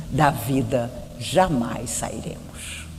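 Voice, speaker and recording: A woman speaks with very wide pitch swings. Audible room echo and noticeable background noise come through. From Brazil, Rio de Janeiro then Brasília. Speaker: spiritist lecturer. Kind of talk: lecture.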